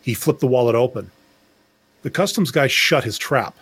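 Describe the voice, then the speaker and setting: A man's voice: mid-range voice, animated, normal speed, fairly bright tone, breathy edge, no echo. A middle-aged man co-hosting a podcast, talking in a rambling, reflective way with many restarts. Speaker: podcast co-host. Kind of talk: casual discussion.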